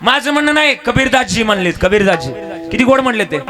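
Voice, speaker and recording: A man's voice: very high-pitched, animated, quick pace. A man preaching a devotional kirtan at a village gathering, using rhetorical questions, drawing the crowd into call-and-response, and breaking into song, heard over a microphone. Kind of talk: devotional kirtan sermon with singing. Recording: live music accompaniment.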